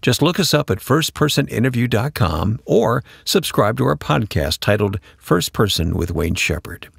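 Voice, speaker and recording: A man hosting a Christian radio interview program, reading a measured scripted introduction. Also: medium pitch, very animated, vocal fry, slightly rough, dry recording, clean studio sound.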